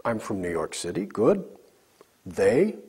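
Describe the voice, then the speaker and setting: Guy teaching english on a lesson cd, slow and careful, husky mellow voice. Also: on the low side, wildly swooping pitch. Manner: slow, clear drilling of example sentences. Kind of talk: recorded language lesson.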